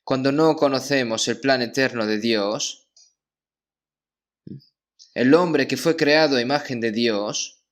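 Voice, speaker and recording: Preaching from the pulpit, this pastor keeps a measured pace and a mid-range voice, frequently tacking on brief questioning tags to engage his congregation.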